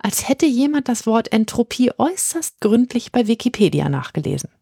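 A woman voicing an eccentric female Christmas witch who speaks in exaggerated courtly phrases with high, squeaky swoops. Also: sing-song, moderate pace, gravelly, warm tone, breathy edge, no echo, studio quality, exaggerated voice. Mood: chatty.

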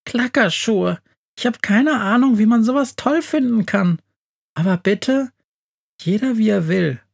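A man's voice: very high voice, steady tone, slow, darkish tone, pitched above the performer's own voice, exaggerated voice. A man voicing a squeamish, blunt little mouse in a children's audio story. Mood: scornful. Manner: whiny, blunt.

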